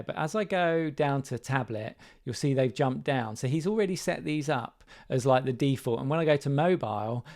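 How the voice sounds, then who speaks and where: Guy, bit croaky and gravelly, walking through a website builder live, chatty and fixing his own slips. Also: fairly high pitch. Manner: relaxed, thinking aloud, self-correcting. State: slightly croaky voice. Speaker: developer demonstrating software. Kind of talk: live screen-share walkthrough.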